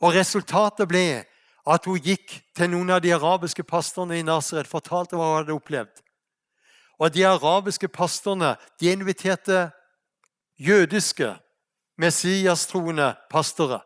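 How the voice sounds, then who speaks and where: Norwegian preacher, man, higher voice. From Norway. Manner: asks the audience rhetorical questions; storytelling, slows for emphasis. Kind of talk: sermon. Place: mission hall.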